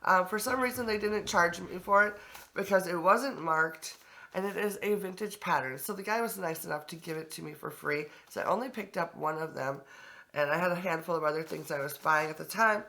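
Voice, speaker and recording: A woman with a bright, clear-toned voice sits in her kitchen showing off her bargains. She sounds stuffy and congested from allergies, and gushes over each find with easy enthusiasm, her voice sitting slightly low for a woman. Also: fairly quick. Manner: gushing, enthusiastic, many fillers. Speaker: thrift haul vlogger. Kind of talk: casual chatty show-and-tell. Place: home kitchen.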